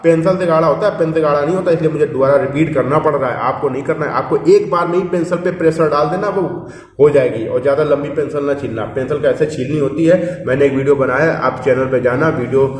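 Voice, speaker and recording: A man's voice: fairly high pitch, fast, far from the mic, a little hiss or hum. Man teaching in an echoey room. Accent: Hindi. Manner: explains step by step, repeats checks. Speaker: shorthand teacher. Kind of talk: classroom instruction.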